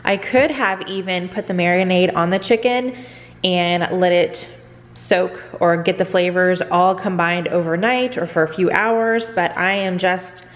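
Her voice on the low side, a middle-aged woman from Texas walks viewers through a cooking demo in her home kitchen. As a cooking vlogger she explains each step in a relaxed, chatty way, frequently saying "go ahead," and the recording sounds like a big room.

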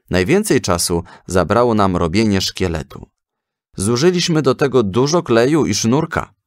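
An eager young schoolboy from a children's audio story, played by a man. He is proud and earnest, speaking with very animated intonation. The recording is close and dry. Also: on the low side, dry recording, lightly acted.

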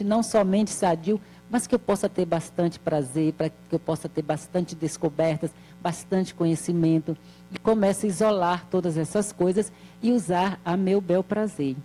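A woman in her sixties giving a spiritual lecture, seated at a table in a small hall and speaking into a handheld mic in a calm, measured, explanatory way, with rhetorical questions. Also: lowish voice.

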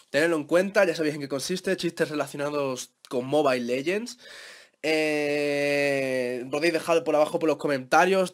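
A young man with a Spain Spanish accent giving excitable live gameplay commentary, repeating words in quick bursts as he plays. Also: a little high. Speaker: gaming YouTuber.

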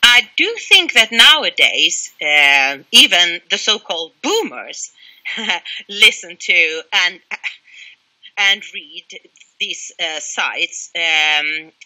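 A woman's voice: lowish voice, very animated, slow, sharp tone, rough recording. A middle-aged woman with a Swedish accent, answering interview questions emphatically over a headset on a video call from a small room at home. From Sweden. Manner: emphatic, opinionated, with frequent restarts. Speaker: guest.

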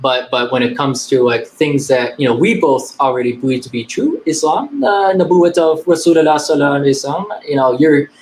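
Young guy on a webcam call, kinda high voice, lots of "like" and restarts, bit of faint noise. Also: a little mellow, rough recording. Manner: halting, full of "like" and repeated words. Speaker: debate guest. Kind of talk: casual debate on a video call. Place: small room indoors.

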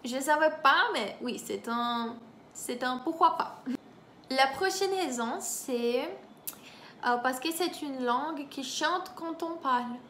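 Brief: young woman, high voice, chatty teacher tone, echoey room. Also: slow, a bit bright, slight background noise. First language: Portuguese. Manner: chatty, laughs often, reads from a list and comments. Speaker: language teacher, YouTuber. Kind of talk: casual teaching monologue.

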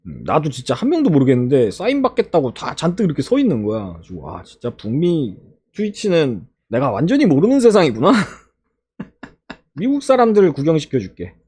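A man streamer giving a casual vlog recap over his photos, animated and laughing often, piling up fillers and exclamations. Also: on the high side, moderate pace, husky.

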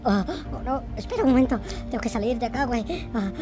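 High-pitched, animated gamer woman. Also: fast, over music. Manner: theatrical, exclamatory, slangy and profane. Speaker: gaming video creator and host. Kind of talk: excitable Minecraft roleplay commentary.

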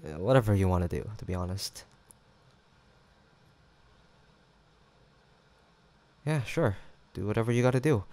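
A man's voice: lowish voice, animated, quick pace, a little mellow. A young man acting an easygoing, teasing, affectionate student roommate in an intimate, casual roleplay audio drama, with hesitant banter. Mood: playful, relaxed. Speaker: voice actor.

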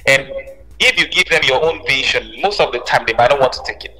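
A man's voice: mid-range voice, a little fast, pushed and bright. A man speaking as a musician guest in an interview, emphatic and repeating phrases for stress. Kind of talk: interview conversation. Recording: reverberant room with long echo.

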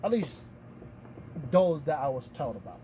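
A talking black cat, aloof and a little grand, put on by a game master. He speaks low and mock-solemn, rising and falling in a lively way. Faint ambience sits behind him. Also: moderate pace, slight background noise, lightly acted, poor audio.

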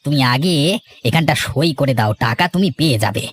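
A man's voice: mid-range voice, lively intonation, moderate pace. A man voicing a two-faced, ambitious cartoon villager, sly and eager, who swindles his neighbours. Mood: falsely reassuring. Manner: smooth-talking, sly, eager. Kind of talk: dramatic cartoon voice acting.

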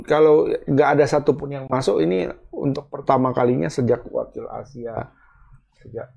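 Gravelly man talking football. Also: mid-range voice, fairly even intonation, moderate pace, warm tone, muffled recording. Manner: explains at length with fillers and self-corrections. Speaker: football pundit. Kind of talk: casual studio football chat.

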